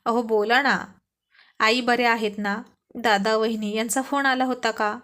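A woman playing a young, devoted wife with a spirited, teasing streak. She speaks in earnest, emotional storybook dialogue. Her voice is slightly high. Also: steady tone, unhurried, fairly bright tone.

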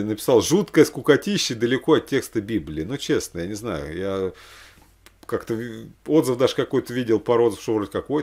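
Low-voiced, gravelly middle-aged man rambling. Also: darkish tone. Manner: rambling, repetitive, often hedging and correcting himself. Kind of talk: informal commentary to camera, unscripted. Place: small room indoors at home.

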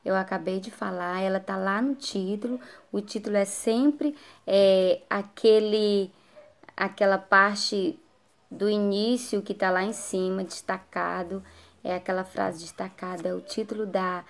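A woman teacher giving a recorded lesson to adult students, explaining slowly and checking in with frequent tag questions. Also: medium pitch, steady tone, vocal fry.

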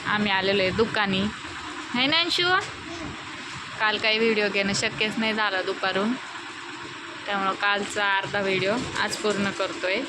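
A woman's voice: medium pitch, moderate pace, pauses often. A young woman talking casually to her viewers in a family vlog, chatting about her day and coaxing and scolding her small children. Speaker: vlogger, mother of two small children. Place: small shop, near a road with passing vehicles. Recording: phone audio with clear traffic noise. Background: traffic noise from the road.

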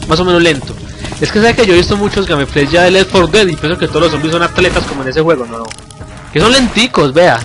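Excitable Colombian man narrating gameplay. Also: sits high. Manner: excitable, yelps and swears at scares. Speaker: gamer. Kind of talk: let's play commentary. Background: game music.

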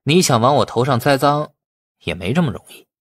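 Man acting brazen, husky, taunting rogue. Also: medium pitch, animated, a little fast, no room sound, clean studio sound, pitched above the performer's own voice, lightly acted. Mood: smug, challenging. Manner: defiant, taunting. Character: brazen, cunning man defying the police.

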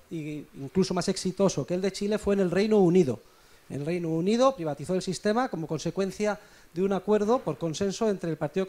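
A man's voice: high-pitched, darkish tone. A man speaking as an economist at a conference, explaining in an emphatic, didactic way. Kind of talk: explanatory speech at a conference debate.

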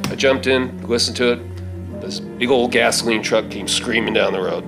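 A middle-aged man acts a gruff survivor who takes charge in a zombie radio play. His pitch is average and his phrasing folksy. Loud music plays behind him. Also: steady tone, moderate pace, close to an everyday voice. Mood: steady, grim. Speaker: stage actor reading a script. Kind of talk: live radio-play acting. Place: theater stage. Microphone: stand microphone.

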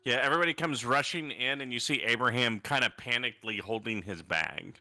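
A man's voice: medium pitch, fairly quick, sharp tone. A man improvising narration as the game master of a tabletop roleplaying game.

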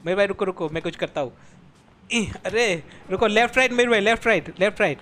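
A man streaming a multiplayer game, laughing a lot, yelling for help and coaching his friends. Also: sits high, a little fast. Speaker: gaming streamer. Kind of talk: excited multiplayer gameplay commentary.

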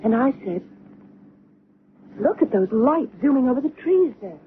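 An actress in a 1970s radio drama playing a bewildered, anxious young mother with a halting delivery. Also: high voice, animated. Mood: uneasy, awed. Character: frightened, bewildered young mother, UFO witness. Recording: muffled, noisy old radio recording.

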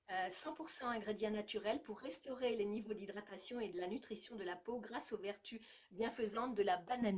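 A chatty woman talks through a beauty box unboxing in a relaxed, casual way. Her voice sits at an ordinary middle pitch. She gushes, hesitates and drifts into asides as she goes. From France. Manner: chatty, enthusiastic, many fillers and asides.

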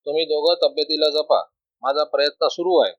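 A man voicing a calm, earnest young male prisoner who reassures his mother, in a storybook reading on a dull lo-fi recording. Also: a little high, fairly quick, dry recording, lightly acted. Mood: reassuring.

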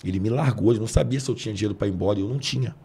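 A man, a preacher earnestly telling a personal testimony on a podcast, going soft and low when moved. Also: racing, creaky, breathy edge.

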